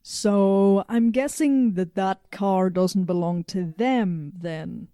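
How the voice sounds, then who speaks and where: A woman's voice: medium pitch, slow, dark tone, dry recording, clean studio sound, natural voice. A woman playing a laid-back, wry young adventurer in an audio drama.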